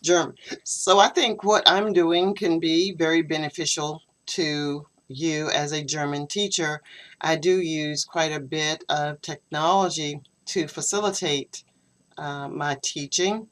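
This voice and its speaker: A woman English teacher explaining her methods to a student in an online lesson, in a measured, explanatory way. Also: sits low, fairly bright tone. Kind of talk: online tutoring session. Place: home, video call. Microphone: computer video call microphone.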